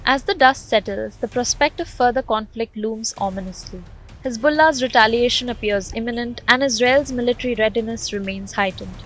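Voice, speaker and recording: A woman's voice: a little high, moderate pace. A woman reading a scripted news voice-over as the narrator of a report. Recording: background music under voice-over. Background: music bed.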